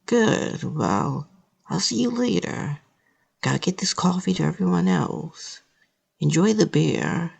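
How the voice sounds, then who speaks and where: A man playing a friendly, concerned office coworker with a breathy voice in an amateur audio drama. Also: high voice, lively intonation, slow, darkish tone, heavily acted. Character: friendly, concerned male office coffee runner.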